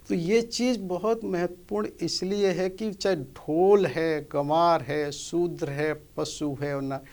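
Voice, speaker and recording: A man's voice: high-pitched, a little mellow. A man, a motivational speaker, earnestly explains scripture in a conversational way and asks rhetorical questions.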